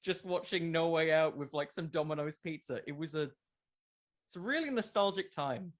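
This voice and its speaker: A man's voice: fairly high pitch, moderate pace. A young man talking casually as an interview guest, explaining things earnestly in a rambling way. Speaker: interview guest, wrestling content creator.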